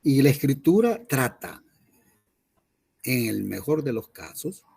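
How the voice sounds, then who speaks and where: Patient teacher, lively pitch. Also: male voice, takes it slowly, gravelly, slightly rough. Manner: explains patiently, checks in with "¿verdad?" often. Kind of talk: online class lecture.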